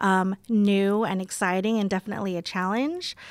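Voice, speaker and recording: Recorded very cleanly over a silent background, a woman's medium-pitched voice moves at a moderate pace with fairly even intonation and a dry, close sound with no echo. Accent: Californian. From Southern California (Diamond Bar). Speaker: TV network diversity executive. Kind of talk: casual interview.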